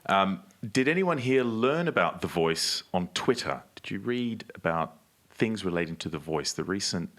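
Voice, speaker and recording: On a live podcast stage, a male co-host speaks in a deep, expressive, slightly bright voice at a moderate pace. He sounds like a polished presenter, putting questions to the audience during the panel talk.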